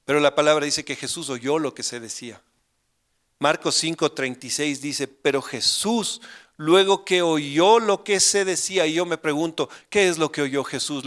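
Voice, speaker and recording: A middle-aged male pastor preaching a sermon, acting out urgent pleas with rising intensity and then dropping to hushed, grave tones. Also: fairly high pitch.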